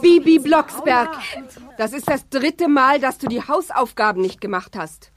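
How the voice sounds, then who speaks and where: A woman's voice: unhurried, slight background noise. A woman playing a strict schoolteacher who nags and scolds in a children's audio drama. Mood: stern, exasperated. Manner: shrill nagging reprimands.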